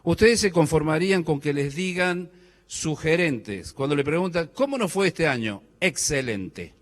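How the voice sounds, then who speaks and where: A middle-aged man with a Cordoban Argentine accent speaks on a stage microphone in a large hall, and his voice sits somewhat high. He jokes with the audience and throws questions at them, and his words ring out with a long hall reverb. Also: animated, measured pace. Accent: Argentine Spanish, Córdoba. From Córdoba, Argentina. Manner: joking, quizzes the audience with questions. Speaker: speaker at a business conference. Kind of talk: conference talk to a live audience.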